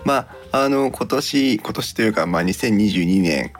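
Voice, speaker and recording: Male podcast host, casual and jokey yet polite, deep-leaning and very expressive, light music bed. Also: normal speed.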